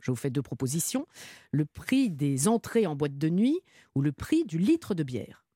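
Lively, playful woman quiz host. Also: sits low, moderate pace, slightly rough, no room sound, clean studio sound. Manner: playful, laughing, hesitant fillers. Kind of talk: live radio game show hosting.

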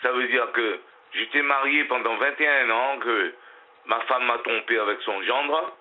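A man from Réunion with a Réunionese French accent, calling in to a radio show, his voice hoarse and his talk emotional and rambling. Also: medium pitch, unhurried, a little hiss or hum. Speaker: caller. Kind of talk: radio call-in. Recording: tinny phone line.

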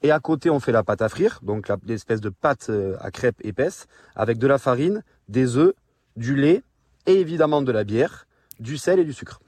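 A man's voice: mid-range voice, expressive, moderate pace, a little mellow, no echo. A man with a Toulouse accent, a chef on a radio show, walking through a recipe with enthusiasm. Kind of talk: radio cooking segment chat.

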